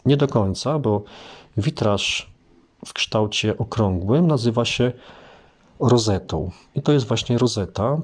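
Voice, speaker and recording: A man's voice: fairly low pitch, lively intonation, a little slow, breathy edge. A man teaching French vocabulary in a casual spoken lesson, explaining things unhurriedly with hesitant fillers.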